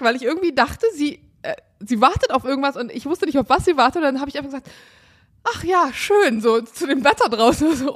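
Woman, podcast co-host, casual storytelling, slightly high voice, acts out quoted lines, laughs often, hotel room.

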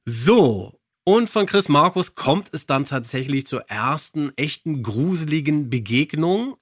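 A man's voice: on the high side, animated, a little slow, dry recording, studio quality. A man co-hosting a podcast in casual chat, playful and analytical about audio dramas. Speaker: podcast co-host.

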